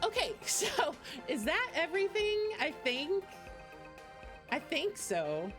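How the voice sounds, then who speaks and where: A woman's voice: very high voice, huge pitch swings, slow. A woman streaming a game live, chatting casually in a rambling, giggly way on a close mic. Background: game music.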